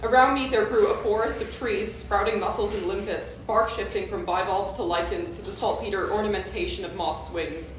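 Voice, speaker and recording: A woman giving a measured, lyrical reading of surreal fiction to a live audience at an art gallery. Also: mid-range voice, a little hiss or hum. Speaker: reader at a live art event. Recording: very echoey live gallery recording.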